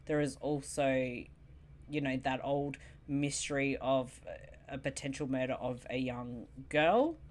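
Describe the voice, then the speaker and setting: A woman's voice: very deep voice, unhurried, darkish tone, a little hiss or hum. A woman reviewing a film in casual conversation, thoughtful and a little hesitant.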